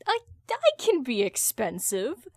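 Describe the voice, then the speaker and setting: A woman's voice: sits high, huge pitch swings, slow pace, darkish tone, dry recording, full character voice. A woman voicing a flustered, defensive man, insecure but boastful, in an audio fan-fiction drama. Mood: indignant protest. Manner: stammering, protesting.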